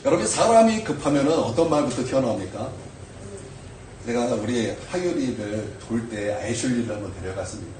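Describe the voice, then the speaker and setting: A man preaching a sermon as pastor, animated and full of rhetorical questions to the congregation. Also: mid-range voice, a little fast, recorded from a distance, a little hiss or hum. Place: church sanctuary. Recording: echoey church from afar.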